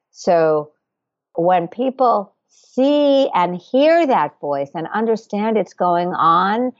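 A woman who teaches workshops, answering interview questions in a deliberate, emphatic way with repetition. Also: fairly low pitch, darkish tone, highs cut off.

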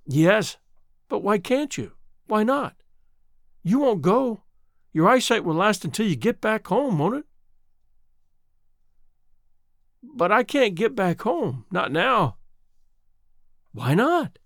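A man's voice: high voice, big pitch swings, takes it slowly, pauses often, no echo, studio quality, pitched above the performer's own voice, full character voice. A man reading aloud, voicing an earnest, caring young woman who presses questions insistently. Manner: insistent, pleading.

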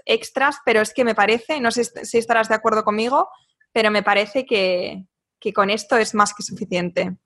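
Brief: female podcast host, effusive and complimentary, voice pitched a little high. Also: fairly bright tone. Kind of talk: podcast interview.

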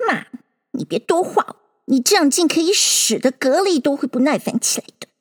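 A woman's voice: high voice, expressive, moderate pace, pitched above the performer's own voice. A woman voicing a stubborn, pert young crab talking back in a storybook reading. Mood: sulky. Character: sulky young daughter crab.

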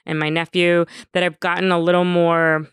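A woman's voice: fairly low pitch, level tone, moderate pace, clean tone, no echo, clean studio sound. A woman guest on a podcast, talking candidly and animatedly, joking and swearing freely. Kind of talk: casual conversation.

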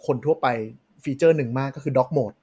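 A man co-hosting a casual tech podcast, talking in an animated, joking way with crude slang. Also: mid-range voice, brisk, breathy edge. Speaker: podcast co-host.

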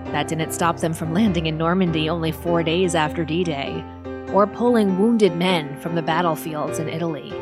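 A woman reading scripted documentary narration in a measured, even way. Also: low voice. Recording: narration over music.

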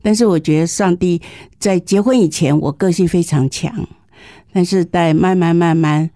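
A woman in her sixties speaks Mandarin with a southern Taiwanese accent. Her voice is soft-edged and mellow, sitting a little low. She talks candidly and with self-deprecating humor, like a guest sharing life stories, in a close, dry recording. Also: normal speed, dry recording. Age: 60s. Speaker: interview guest, teacher. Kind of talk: conversational personal storytelling.

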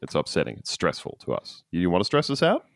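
A deep-voiced man who swings his pitch wildly as he jokes. His delivery is sarcastic and mock-theatrical, like a hammy announcer. The mic is close and dry. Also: wildly swooping pitch, fast talker, creaky, no echo. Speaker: podcast co-host. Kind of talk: casual comedy chat.

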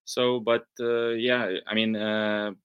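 A man from Belarus answering interview questions as a football reporter, in a halting, careful and noncommittal manner. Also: lowish voice, little pitch movement, clear, resonant tone, no room sound, phone-quality sound. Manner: hesitant, halting, measured, hedging answers.

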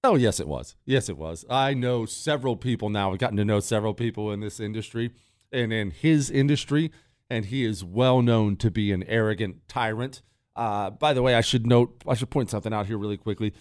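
Blunt low-voiced talk radio host. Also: male voice, fairly quick, a little mellow, no room sound, studio quality. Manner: blunt, emphatic, preachy. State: near losing his voice, sucking a cough drop. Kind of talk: opinion talk radio monologue.

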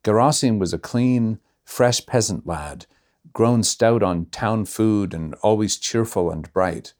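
A man reading a classic novella aloud in measured, unhurried narration. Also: lowish voice, darkish tone. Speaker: reader. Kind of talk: audiobook narration.

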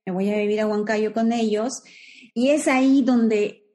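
Peruvian woman in her forties, mellow. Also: a little high, steady tone, measured pace. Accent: Peruvian Spanish. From Peru. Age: 40s. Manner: reflective, many restarts and fillers, laughs often. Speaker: guest. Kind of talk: conversational interview.

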